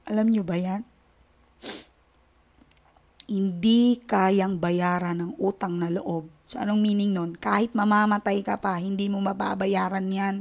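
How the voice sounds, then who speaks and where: A woman's voice: medium pitch, level tone, unhurried, vocal fry. A woman with a Filipino accent, hosting a tarot channel and talking to her viewers in an impassioned, indignant way, mixing in English phrases. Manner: impassioned, indignant, switching between Tagalog and English. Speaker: tarot reader and channel host. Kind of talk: casual chat to viewers.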